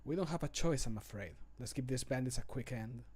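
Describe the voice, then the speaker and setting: A man voicing a grim, resolute fantasy adventurer for a video game, in measured, solemn phrases that fall away at the end. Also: mid-range voice, darkish tone, husky, natural voice. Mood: solemn regret. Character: grim, resolute male fantasy adventurer who fights bandits. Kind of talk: scripted video game voice line. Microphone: close studio microphone.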